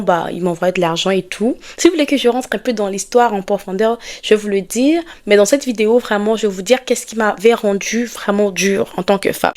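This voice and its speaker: A young woman talks casually straight to her viewers. She is chatty and keeps checking in with a quick "ok?". Her voice sits at an ordinary middle pitch. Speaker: vlogger promoting her products. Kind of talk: casual direct-to-camera vlog talk.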